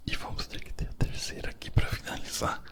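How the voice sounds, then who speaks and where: Noticeable background noise runs through the clip. Over it, a man whispers. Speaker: ASMR content creator. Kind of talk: casual talk to camera, Q&A answers. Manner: talkative, relaxed, speaking at conversational pace.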